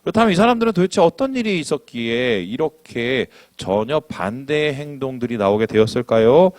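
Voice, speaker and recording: A male pastor preaching a sermon in an animated way, asking the congregation questions and acting out quotes. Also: medium pitch, fairly quick, no room sound.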